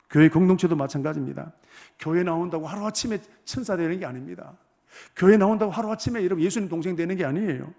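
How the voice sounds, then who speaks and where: A male pastor preaching a sermon in a church. He keeps asking the congregation questions and swings between hushed words and forceful ones. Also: high voice, gravelly. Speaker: senior pastor. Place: church sanctuary.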